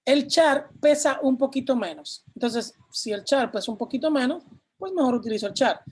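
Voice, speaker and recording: A man's voice: extremely high pitch, animated, moderate pace, breathy edge. A man teaching a programming class, explaining step by step and answering his own questions as he goes. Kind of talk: live class explaining code on screen.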